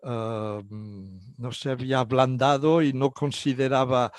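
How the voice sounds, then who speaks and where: An older man whose first language is Catalan speaks at an average pitch. He answers in a halting way, full of fillers and self-corrections. The sound is dry and close, with no room echo. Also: steady tone. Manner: hesitant, many fillers and restarts. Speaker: guest psychologist. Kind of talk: interview answers.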